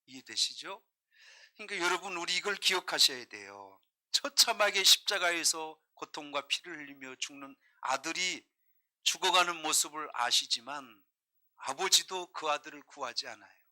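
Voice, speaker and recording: A man preaches a sermon with a very bright, piercing edge to his voice, set a little high for a man. He keeps asking the congregation questions and swings between hushed asides and loud, driving emphasis. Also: animated, moderate pace. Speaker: pastor.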